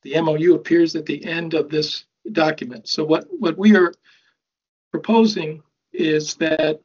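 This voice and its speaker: Man, video call, fairly high voice, dull lo-fi sound, measured, procedural. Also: steady tone. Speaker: university bargaining representative. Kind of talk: formal meeting talk.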